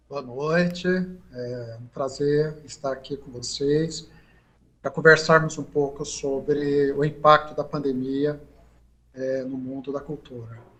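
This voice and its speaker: Speaking at a very slow pace, a man uses a fairly high pitch and fairly even intonation. His loudness shows big swings. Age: 60s. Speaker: professor and museum director. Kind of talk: interview. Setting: video call from his office.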